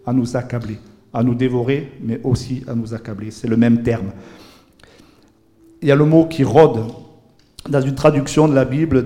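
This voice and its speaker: Earnest preacher with a mellow voice. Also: male voice, medium pitch. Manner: earnest, repetitive emphasis, many restarts. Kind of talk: sermon. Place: church.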